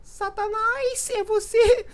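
A man putting on a squeaky, high-pitched joke voice that teases and mocks in a drawn-out, silly way. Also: steady tone, a bit bright, full character voice. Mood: teasing.

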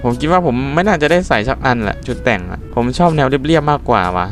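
Gamer man, off-the-cuff play commentary, salty and chatty, steady mid voice, game music underneath. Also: mid-range voice, quick pace. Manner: loose, swearing, talks to himself while playing. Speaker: gaming YouTuber.

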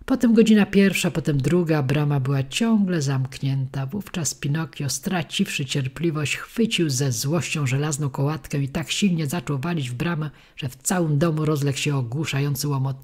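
Female storybook reader, husky tone, expressive and vivid. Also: low voice, normal speed, hardly any pauses. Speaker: audiobook reader. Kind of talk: storybook narration.

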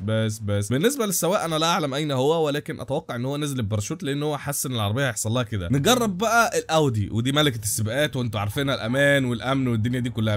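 A young man with an Egyptian Arabic accent and a cold, commenting on a car crash game with loud exclamations. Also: medium pitch, a little hiss or hum. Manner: animated, loud exclamations and religious interjections. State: has a cold. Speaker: gaming channel host. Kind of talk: excited let's-play commentary.

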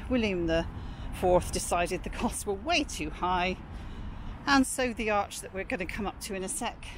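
A chatty woman narrates a walk through a city park, her voice rising and falling in a lively way. She speaks informally as she walks, into a camera mic. Traffic and street noise come through clearly behind her. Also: mid-range voice. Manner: chatty, informal, reads out prices and history. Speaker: walking tour narrator. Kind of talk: chatty walking commentary. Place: outdoors in a large city park.

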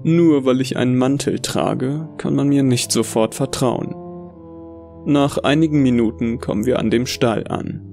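A man's voice: mid-range voice, unhurried, vocal fry, darkish tone. A man narrating a horror audio drama as a bitter, delusional Santa, brooding and contemptuous. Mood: brooding, cold. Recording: music behind the voice.

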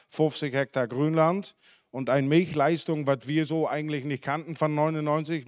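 A man in his forties from the Netherlands, a dairy farmer speaking German with a Dutch accent, giving a halting talk full of fillers and self-corrections into a handheld mic in a conference hall. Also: on the high side, clear, resonant tone, clean studio sound. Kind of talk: unscripted talk at a symposium. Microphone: handheld microphone.

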